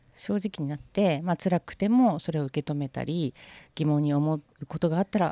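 The voice has a dark, mellow tone, ordinary pitch variation and a fairly quick pace. The recording is very clean with a silent background, dry and close with no echo. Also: woman, very deep, low pitch for a woman. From Japan, Toyama Prefecture. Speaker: podcast host. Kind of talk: casual chat.

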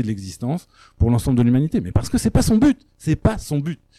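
Fairly quick in pace, a man speaks in a dark, mellow tone with lively intonation. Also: dry, close sound with no echo. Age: middle-aged. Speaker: university lecturer. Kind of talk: lecture. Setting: stage with audience. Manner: halting, many repetitions and hesitations.

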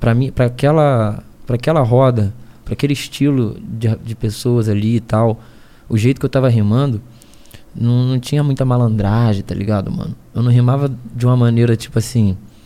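At a moderate pace, a man with a Carioca accent speaks in a medium pitch, with a dark, mellow tone and ordinary pitch variation. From Rio de Janeiro. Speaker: battle rapper. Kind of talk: casual chat.

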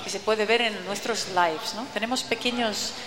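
Someone with a Brazilian accent speaks with ordinary pitch variation over noticeable background noise and audible room echo. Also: woman. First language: Portuguese (speaking Spanish). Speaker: musician and DJ. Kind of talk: live radio interview. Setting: live broadcast from a restaurant venue. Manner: halting.

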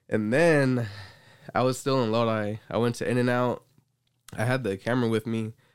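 A man with a Californian accent speaks at a moderate pace and fairly even intonation, leaving long, frequent pauses. The recording is very clean, with a silent background. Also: medium pitch for a man. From Stockton, California. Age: 20s. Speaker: photographer. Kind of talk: casual chat.

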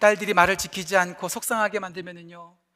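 The voice is raised and projected, with a bright, sharp tone and a very fast pace. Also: man. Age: 40s. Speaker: pastor. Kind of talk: sermon.

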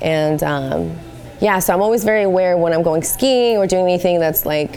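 Over noticeable background noise, a woman with a fairly low pitch speaks at a moderate pace with lively intonation. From born in Ukraine, raised in US from age six. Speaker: hairdresser and salon owner. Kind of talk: live podcast interview. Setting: live recording with audience.

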